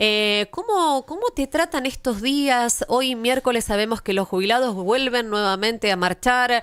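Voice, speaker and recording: A woman with a Rioplatense accent and a high pitch speaks at a fairly slow pace with hardly any pauses, ordinary pitch variation, and very even loudness. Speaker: radio host. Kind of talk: radio interview. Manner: halting.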